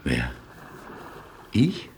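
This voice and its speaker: An actor playing a nervous, philosophical Jewish refugee in a classic German radio play, speaking reflectively with gentle irony. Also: male voice, drawn-out words. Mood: tense. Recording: noisy old radio play recording.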